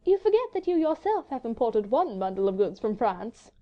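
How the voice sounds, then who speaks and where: A woman's voice: a little high, very animated, moderate pace, highs cut off. A woman voicing a witty, coquettish noblewoman who speaks with an arch, sarcastic tease.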